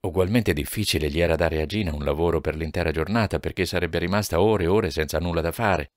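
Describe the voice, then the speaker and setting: A man reading a novel aloud as an audiobook narrator, in a measured, even manner. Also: sits low, dry recording, clean studio sound. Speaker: audiobook reader.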